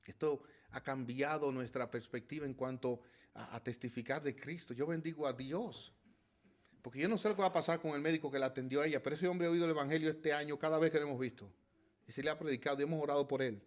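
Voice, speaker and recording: A middle-aged man preaching a sermon as pastor, swinging between loud exhortation and quiet storytelling and addressing the congregation as brothers. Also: fairly high pitch, quick pace.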